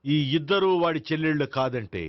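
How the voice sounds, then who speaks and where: An actor playing a stern middle-aged police officer who scolds and lectures, in a film comedy. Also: male voice, on the high side, animated, a little fast, no room sound, natural voice. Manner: scolding, preachy. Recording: dull film soundtrack with music.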